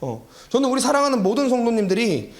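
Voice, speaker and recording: A man's voice: extremely high pitch, fast. A man preaching a revival sermon as pastor, telling a personal story and asking the congregation questions. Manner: animated, acts out quoted voices, rhetorical questions to congregation.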